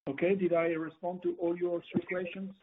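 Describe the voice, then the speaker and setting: A man speaking as a company executive answering questions on an earnings call, often pausing and repeating his words as he rephrases. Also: high-pitched, flat delivery. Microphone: conference call line. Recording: tinny, narrow phone conference line.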